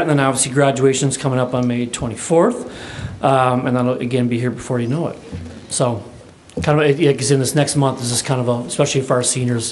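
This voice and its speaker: A man's voice: mid-range voice, a little hiss or hum, low-quality recording. A man in his fifties giving an informal report as a school administrator at a podium microphone in a meeting room. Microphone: gooseneck podium microphone.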